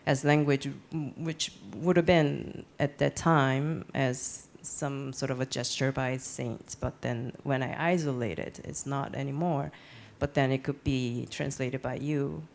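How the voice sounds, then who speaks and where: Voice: medium pitch, steady tone, unhurried, vocal fry, a little hiss or hum. An artist speaking on a panel in a hesitant way, with lots of fillers and restarts. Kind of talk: panel discussion. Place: panel event.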